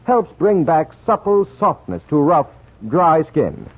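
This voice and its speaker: Animated male 1940s radio announcer. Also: slow, breathy edge. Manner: polished sales pitch addressed to women. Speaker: radio announcer reading commercial. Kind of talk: scripted 1940s radio advertising. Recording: tinny, narrow old radio recording.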